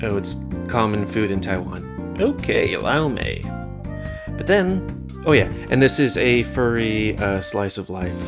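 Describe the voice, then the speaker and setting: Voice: medium pitch, very animated, a little slow, music in the background. A video host giving casual, rambling commentary over gameplay, often searching for words. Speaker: video host reviewing games.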